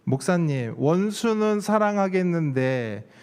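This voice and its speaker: A man's voice: high-pitched, animated, measured pace, darkish tone, clear, resonant tone. A man voicing an earnest, folksy churchgoer with a Busan accent, confiding in a pastor during a sermon anecdote. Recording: reverberant hall sound.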